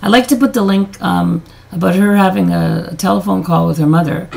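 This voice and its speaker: A woman with a deep, throaty voice chatting in a rambling, self-deprecating way on a casual beauty vlog; her voice has changed and she can't hit high notes. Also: fairly even intonation, brisk, creaky, a little mellow. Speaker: beauty vlogger.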